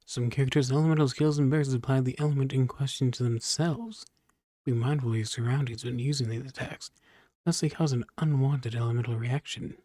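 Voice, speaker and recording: A man's voice: medium pitch, fairly even intonation, a little fast, warm tone, dry recording, studio quality. A man giving casual, wry game commentary as a streamer, at times reading on-screen text aloud. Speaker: gameplay streamer.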